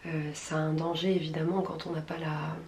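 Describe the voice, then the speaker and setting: A French woman chatting casually in a vlog, her voice husky with a smoker's rasp. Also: low-pitched, flat delivery, fairly quick, a little mellow, echoey room, a little hiss or hum. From France, from Rouen. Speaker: vlogger.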